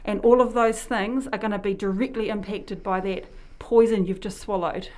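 A New Zealand woman hosting a relaxed radio chat, talking at an easy, middling pitch. She rambles and sidetracks herself, circling back to her points as she goes. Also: moderate pace. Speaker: health promotion worker and show host.

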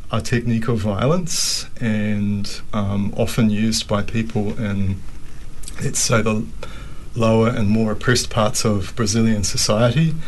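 A man's voice: mid-range voice, slight background noise, poor audio. A man in his fifties with a New Zealand accent, telling stories conversationally as an interview guest. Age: 50s. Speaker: interview guest, capoeira practitioner.

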